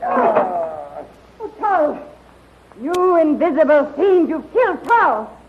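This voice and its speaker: A woman's voice: high-pitched, big pitch swings, takes it slowly, exaggerated voice. An actress playing a scornful, commanding alien queen in a melodramatic 1930s radio serial style, on a muffled old recording. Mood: alarmed.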